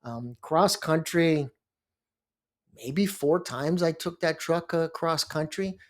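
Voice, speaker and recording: Chatty middle-aged man, rather high voice. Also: slow pace. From Miami, Florida. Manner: chatty, rambling, frequent restarts and asides. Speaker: bankruptcy lawyer and blog host. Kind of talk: casual monologue to camera.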